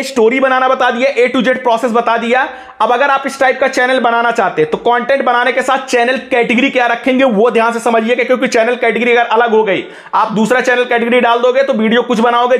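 A man's voice: extremely high pitch, a bit bright. A man hosting a tech tutorial, narrating over a phone screen recording and keeping on at viewers to look as he shows each step. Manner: instructive, keeps saying "look" to guide viewers.

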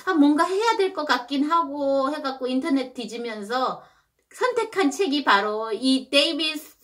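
A chatty mother in her thirties talks parents through a picture book, full of fillers and questions to her listeners. Her voice is bright and higher than most, moving lively up and down. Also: normal speed. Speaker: mother teaching English picture-book reading. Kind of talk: casual explanatory talk to parents.

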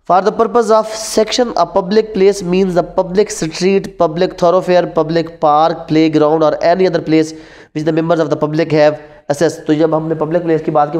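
A Pakistani man with a slightly high voice gives a classroom lecture. He keeps asking questions that he answers himself, and he repeats important terms for his students. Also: a little mellow. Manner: asks rhetorical questions and repeats key points. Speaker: law teacher. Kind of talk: classroom lecture mixing Urdu and English terms. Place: indoors in front of a classroom whiteboard.

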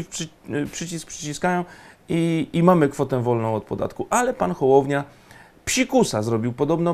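A man giving indignant, emphatic political commentary, often pausing on fillers. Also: a little high, a little mellow.

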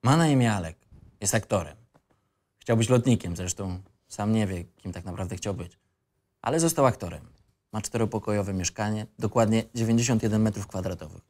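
A man's voice: on the low side, expressive, a little fast, a little mellow, natural voice. An actor playing a disillusioned young man telling his life story in a colloquial, wry, rambling way. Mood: wry, bitter. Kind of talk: first-person narration in a screenplay reading.

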